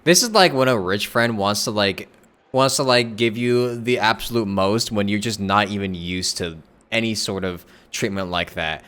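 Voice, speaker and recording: A man's voice: fairly low pitch, normal speed, a bit bright, smooth. A young man giving casual live game commentary in a slangy, loose, repetitive way. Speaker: game streamer.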